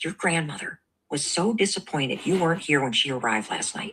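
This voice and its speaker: The speaker uses a raspy, put-on character voice at a middle pitch. The pace is fairly quick. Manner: cranky.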